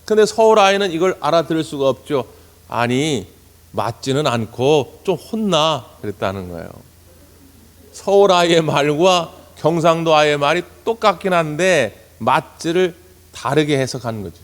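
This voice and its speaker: A man's voice: a little high, expressive, moderate pace. Male pastor preaching in a reverberant church. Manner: storytelling, earnest, addresses the congregation. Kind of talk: sermon. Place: church sanctuary. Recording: long church hall reverb.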